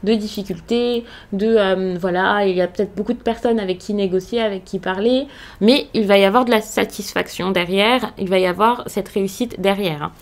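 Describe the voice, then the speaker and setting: Speaking to camera in a mid-range voice at a moderate pace, a tarot reader from France gives an informal reading. Her reassuring delivery is halting, with many fillers and false starts.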